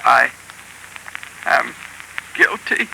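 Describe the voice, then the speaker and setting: An actor playing a frightened young man under a hypnotic spell, stammering and halting, on a hissy 1930s radio broadcast. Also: bright, forceful tone, full character voice, low-quality recording. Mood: dazed. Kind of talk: 1930s radio drama acting.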